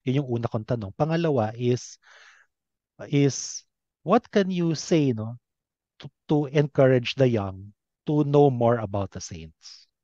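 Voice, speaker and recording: A man's voice: medium pitch, animated, slow pace, mellow, no room sound, highs cut off. Dry-sounding Filipino man hosting a talk. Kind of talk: conversational interview hosting, mixing Tagalog and English.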